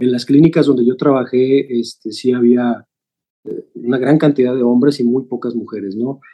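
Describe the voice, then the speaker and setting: This man talks at a moderate pace in a medium pitch, his intonation monotone and flat. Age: 30s. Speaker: addiction counselor. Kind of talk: interview.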